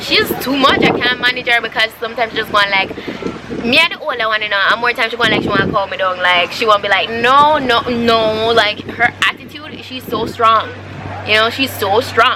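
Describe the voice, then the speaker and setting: With noticeable background noise, a woman talks at a fairly quick pace in a fairly high pitch and ordinary pitch variation. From Jamaica. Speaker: vlogger. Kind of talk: casual Q&A vlog. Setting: outdoors in public.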